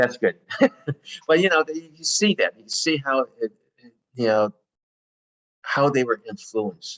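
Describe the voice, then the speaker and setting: With an American accent, a man speaks at a moderate pace and makes very wide pitch swings. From Chicago. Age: 60s. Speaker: poet. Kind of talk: interview. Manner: halting.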